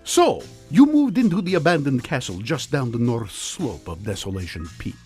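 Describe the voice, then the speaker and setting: An actor playing a blasé, retired older mad scientist with a dry, teasing manner in a comedy radio play. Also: male voice, medium pitch, big pitch swings, moderate pace, a little mellow, slightly rough, heavily acted. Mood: wryly amused. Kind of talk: comedic radio drama acting. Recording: music behind the voice.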